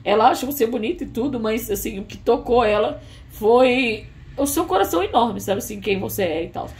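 A woman giving a casual tarot reading, soft and musing, with frequent fillers. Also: on the high side, lively intonation, fairly quick. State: tearful. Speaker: tarot reader.

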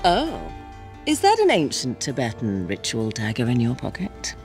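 A bold female adventurer in her thirties for a cinematic game. Her delivery is animated and sardonic, full of teasing confidence. A clear musical score runs behind her. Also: extremely low pitch, normal speed, heavily acted. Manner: sardonic, teasing, self-assured. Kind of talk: cinematic video game dialogue. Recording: game soundtrack music underneath.

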